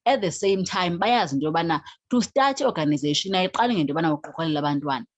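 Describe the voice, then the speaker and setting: Low-pitched South African Xhosa woman, husky. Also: lively intonation, racing, no room sound, dull audio. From South Africa, Eastern Cape. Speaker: guest, founder of a youth organization. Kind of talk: interview talk, mixing languages.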